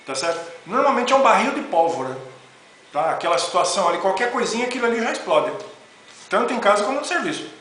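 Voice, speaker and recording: Middle-aged man, a rambling spiritual teacher with a high voice and faint hiss behind him. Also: big pitch swings, fast talker, a bit bright. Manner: rambling, repeats "né?" often. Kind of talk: informal spoken lecture. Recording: very echoey room with faint noise.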